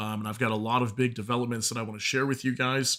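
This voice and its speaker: In a very clean recording with a silent background, a man of medium pitch speaks at a very fast pace in a bright, sharp tone with monotone, flat intonation. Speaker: news livestream host. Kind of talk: live news commentary. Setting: livestream with chat. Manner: casual, filler-heavy.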